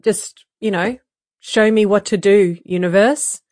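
Aussie woman, croaky voice, chatty podcast host, laughs a lot, dry close mic. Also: medium pitch, fairly even intonation, a little slow, darkish tone, no room sound. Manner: candid, laughs often, many fillers. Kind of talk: casual podcast chat.

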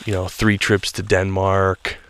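Deep, clear and resonant, a bit bright yet monotone, a man speaks a little slowly in his solo spiritual podcast. Walking outdoors through a state park, he sounds slightly nasal and stuffed up, talking earnestly and reflectively with loose phrasing and restarts.

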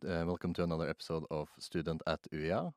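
A man hosting a podcast, opening the show and asking questions in a relaxed, friendly way. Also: rumbling low, fast talker, dry recording, studio quality. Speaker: podcast host. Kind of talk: casual podcast interview.

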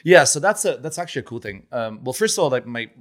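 A man's voice: mid-range voice, sing-song, quick pace. A man in his fifties, born in Rome with Italian as his first language, telling stories as a restaurant-owner guest. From Italy. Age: 50s. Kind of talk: casual interview storytelling.

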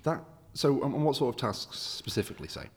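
A man's voice: medium pitch, brisk, breathy edge, in a large hall. A man hosting a casual interview podcast, chatty and rambling, with lots of restarts in his questions. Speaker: podcast host.

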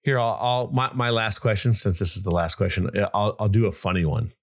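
A man's voice: lowish voice, a little fast. A man hosting a podcast in casual chat, rambling with many restarts and fillers. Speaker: podcast host.

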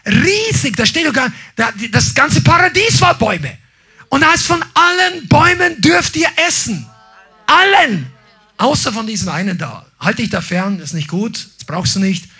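A man preaching a sermon, animated, often shouting his emphasis and acting out quotes in little voices. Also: extremely high pitch. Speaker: pastor.

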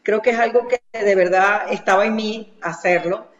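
A woman talks in a lively, chatty way as a guest specialist. Her voice comes through a dull remote line, and it echoes with a long room reverb. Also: mid-range voice. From Venezuela. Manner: lively, chatty, quick to agree. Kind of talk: interview by remote link.

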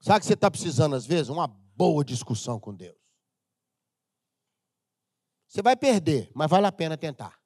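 A middle-aged Brazilian man preaching a humorous, animated sermon as pastor of a church, sometimes breaking into shouts. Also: on the high side, moderate pace, long pauses, no room sound, studio quality. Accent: Brazilian Portuguese.

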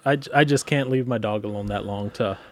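A man's voice: on the low side, fairly quick, darkish tone. A man chatting casually as a podcast co-host, dry and sarcastic in his remarks. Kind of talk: casual chat.

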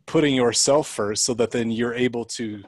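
A man's voice: medium pitch, moderate pace, no echo. Male coach, upbeat conversational storyteller, dry close-miked sound. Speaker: high-performance coach. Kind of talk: casual podcast chat.

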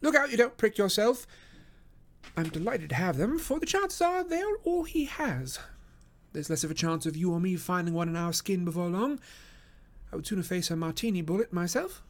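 A man voicing a brisk, commanding Victorian detective in an audiobook, crisp and directive as he gives instructions. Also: high-pitched, sing-song, pitched above the performer's own voice. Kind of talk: audiobook character voice.

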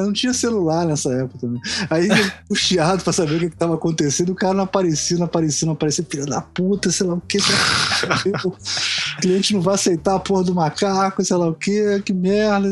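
A man spins a long anecdote in casual chat, jumping into the voices of the people in it and laughing as he goes. His voice sits a little high. Faint music plays behind him. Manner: animated storyteller, acts out quotes, laughs often, profanity.

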